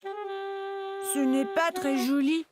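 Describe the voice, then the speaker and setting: A sweet little cartoon boy of about four, with a very high voice and slow, earnest delivery. He sounds eager and childlike, with clear music playing behind him. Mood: disappointed.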